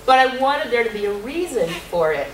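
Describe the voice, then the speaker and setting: A woman speaking on a workshop panel, with a loud, lively voice and a storyteller's animated manner. She is a little high-pitched and is caught from far off in an echoey room, with clear background noise. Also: normal speed. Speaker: panelist, math circle leader. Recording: roomy hall sound from a distant mic, noisy.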